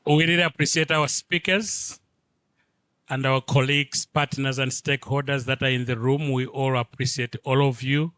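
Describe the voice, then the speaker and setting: A man's voice: mid-range voice, a bit bright, no room sound. A man hosting a formal event, courteously introducing speakers in a conference room. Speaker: event host.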